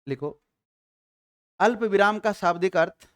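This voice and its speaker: High, smooth-voiced Hindi grammar teacher. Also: male voice, fairly bright tone. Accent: Rajasthani Hindi. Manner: asks students questions and answers them himself; dictates slowly, repeating phrases for note-taking. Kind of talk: classroom grammar lesson.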